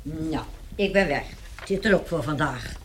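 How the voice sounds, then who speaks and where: An actress playing a brash, blunt, callous cleaning woman in a radio play, with a loud and coarse way of talking. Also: low-pitched, moderate pace, slight background noise, lightly acted. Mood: brisk, offhand. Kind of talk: 1960s radio play acting.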